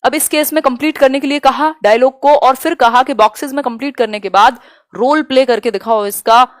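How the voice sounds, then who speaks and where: A woman teaching an exam-prep lesson live, reading questions aloud slowly and chatting with viewers as she explains. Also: high-pitched, no room sound, studio quality. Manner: chatty, answers viewers' comments.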